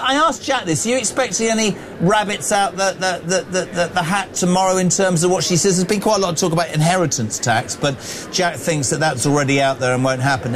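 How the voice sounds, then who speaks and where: Teasing radio host, stammering. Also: male voice, on the high side, a little hiss or hum. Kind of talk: jokey live radio chat.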